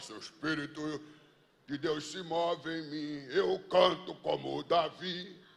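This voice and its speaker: A put-on character voice from a man, fairly slow in pace and fairly high in pitch. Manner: possessed, declaiming.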